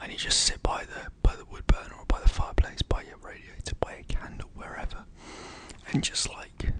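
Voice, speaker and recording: Someone is whispering at a fairly quick pace amid noticeable background noise. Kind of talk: whisper ramble. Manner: whispered.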